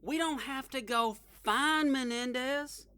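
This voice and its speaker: A woman playing a brash, mocking, foul-mouthed witch in an audio drama, sarcastic and animated. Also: high voice, takes it slowly, smooth, no echo, heavily acted.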